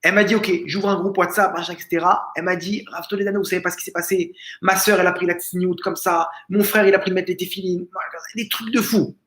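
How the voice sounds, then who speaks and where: A man's voice: high voice, steady tone, fast, a bit bright, roomy sound. A rabbi giving a lesson in a family home, telling a story and acting out the people he quotes. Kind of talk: Torah lesson told as a story.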